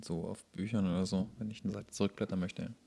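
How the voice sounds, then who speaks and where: A man's voice: low voice, fairly even intonation, fast talker, gravelly, dark tone, slightly rough. A young man chatting casually as a podcast co-host, commenting on a show with joking, sarcastic remarks. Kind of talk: casual chat and commentary while watching a show.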